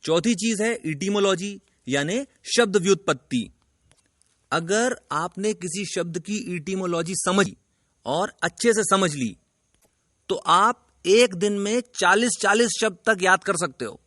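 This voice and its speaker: Man, high voice, dry close sound; emphatic teacher lecturing straight to camera. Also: lively intonation, unhurried, fairly bright tone, no echo. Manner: emphatic, lecturing, addresses viewer directly. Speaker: English teacher. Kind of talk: instructional video lesson.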